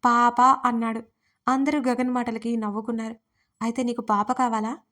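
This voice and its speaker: A woman reading a family story aloud as the narrator, in a gentle storytelling manner. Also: a little high, steady tone, fairly quick.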